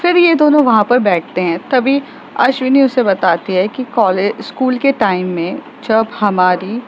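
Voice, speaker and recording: A woman tells a love story in a loose, chatty way, pausing on fillers and correcting herself as she goes. Her voice sits fairly high. The recording is dull and lo-fi, with a faint hiss. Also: animated. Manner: conversational, with fillers and self-corrections. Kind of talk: casual spoken storytelling.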